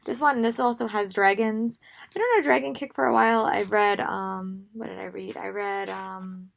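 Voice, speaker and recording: A young woman talks casually about her reading plans with a hoarse, worn-out voice. Her tone is gravelly and strained, and her speech wanders with frequent fillers and pauses. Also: medium pitch, steady tone. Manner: rambling with frequent ums. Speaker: book vlogger. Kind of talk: casual book haul talk.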